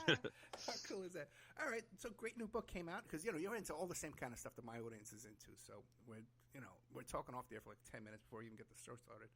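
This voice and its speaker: A podcast host chats casually with a guest, speaking fast and enthusiastically, laughing often and using lots of fillers. His mid-range voice is creaky, pushed and bright, and there is a little hiss or hum in the recording.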